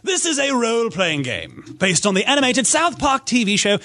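A man hosting a gaming podcast, chatting and reading aloud in an animated, easily amused way. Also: very high-pitched, normal speed. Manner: animated, breaks into giggles while reading. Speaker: podcast host.

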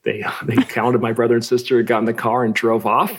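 In a relaxed interview, a middle-aged guest artist from California reflects with self-deprecating humor, stumbling through restarts and fillers. He speaks briskly in a mid-range voice that barely moves in pitch.

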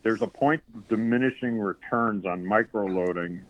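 A man calling in to a radio show over the phone, halting and repeating his words. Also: lowish voice, highs cut off. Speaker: caller. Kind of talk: call-in radio chat.

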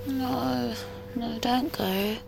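An actress playing a sleepy young woman talking softly and drowsily. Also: fairly high pitch, fairly even intonation, very slow, vocal fry, over music, exaggerated voice. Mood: drowsy. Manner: soft, drowsy, murmuring. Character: sleepy young woman waking in her lover's bed.

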